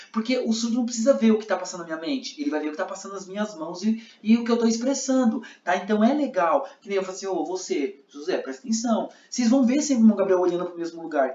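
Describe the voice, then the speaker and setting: A man teaches a class, walking his students through each step and often pausing to check that they follow. His voice sits a little high. The room echoes around him, and the recording sounds a bit muffled. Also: darkish tone. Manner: explains with many checks like "tá?" and demonstrates lines aloud. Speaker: sign language interpreting teacher.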